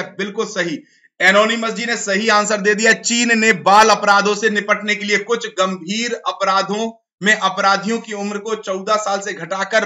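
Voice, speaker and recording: A hoarse man teaching a live online exam-prep class, quizzing students and repeating each answer. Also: sits high, bright, forceful tone. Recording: dull lo-fi stream audio.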